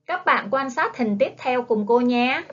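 With a high-pitched, expressive voice at a measured pace, a woman leads a coaxing phonics lesson that has young children repeat after her as they learn to read. She's a primary school teacher with a Southern Vietnamese accent, recorded in dull lo-fi classroom video audio.

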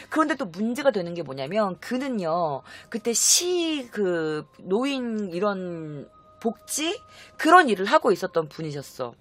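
A woman telling a strange true story in a chatty, dramatic way, often asking the listener questions. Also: mid-range voice. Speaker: storytelling host. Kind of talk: casual storytelling vlog.

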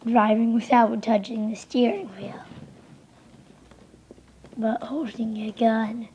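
A young woman casually commenting on a game she is playing, a little hoarse from being sick, rambling and easily distracted. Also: on the high side, fairly even intonation, slow pace, warm tone, slight background noise. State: losing voice, sick. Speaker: gameplay commentator. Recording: slightly dull lo-fi home recording.

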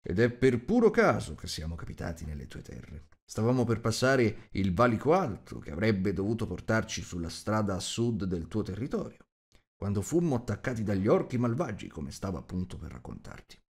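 A man voicing an old, patient wizard telling a tale in a measured, hesitant, diplomatic way. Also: lowish voice, very animated. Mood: wry. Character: old wise male wizard, patient storyteller.

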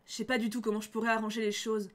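A woman reading out a gloomy, sulky young man's lines from a story game in a plain, flat manner. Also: fairly high pitch, racing, pitched below the performer's own voice, close to an everyday voice.

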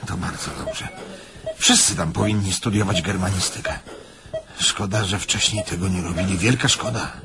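An actor playing an anxious, self-pitying German jeweller in a radio play, fretful and rambling. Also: male voice, low voice, moderate pace, background noise, natural voice. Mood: aggrieved, tearful. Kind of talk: theatrical radio play acting.

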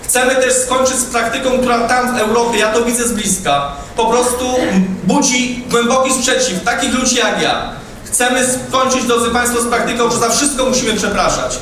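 A man's voice: very high voice, normal speed, fairly bright tone, far from the mic, slight background noise. A man in his thirties giving a rousing campaign speech, addressing the crowd directly. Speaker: politician warming up a rally. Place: hall with audience. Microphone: podium microphone, far camera. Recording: echoey hall, heard from afar.

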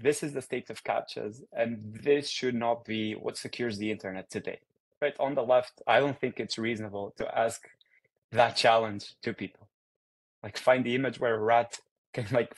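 A young man from Portugal giving an online research talk over a video call, in a casual, upbeat way with frequent fillers. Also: mid-range voice. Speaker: guest speaker.

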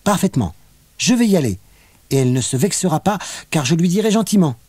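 A man voicing a stubborn, outspoken little girl in a children's audiobook, talking high and insistent. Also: sing-song, warm tone, dry recording. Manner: high, insistent, quick when arguing.

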